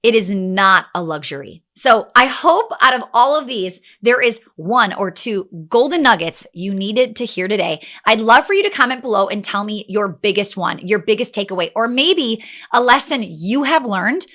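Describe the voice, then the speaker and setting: A woman in her forties giving an energetic motivational talk to camera as a business coach, emphatic, with quick restarts. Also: mid-range voice. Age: 40s.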